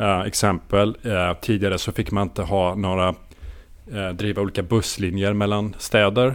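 Flat and monotone, a man's fairly low voice moves at a moderate pace. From France. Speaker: interest rate strategist at a bank. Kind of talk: interview.

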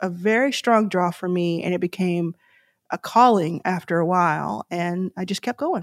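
A woman's normal speaking voice with an American accent, medium in pitch, at a fairly slow pace with ordinary pitch variation and a dry, close sound with no echo. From Texas, Dallas. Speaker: venture capital investor. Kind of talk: interview.

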